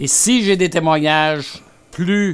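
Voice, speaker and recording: A man speaks with a Quebec accent. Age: 70s. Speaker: political commentator, former journalist. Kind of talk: radio interview. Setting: radio studio.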